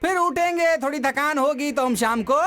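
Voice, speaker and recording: An actor dubbing a boastful, chatty comic uncle in a film, talking big and yelping when beaten. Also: male voice, extremely high pitch, moderate pace, sharp tone, faint music behind. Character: boastful comic maternal uncle, middle-aged man. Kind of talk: Hindi film dub.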